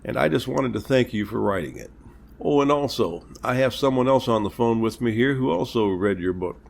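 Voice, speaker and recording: A man playing a polite, reassuring police captain, speaking in a measured, earnest way in an amateur audio drama. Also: medium pitch, lively intonation, gravelly. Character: courteous, reassuring male small-town police captain.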